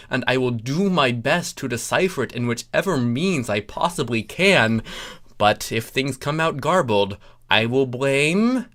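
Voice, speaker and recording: A man's voice: medium pitch, fairly bright tone. A man reading comic fiction aloud as narrator, theatrical and mock-grave in his delivery. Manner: mock-grave, dramatic, deliberate.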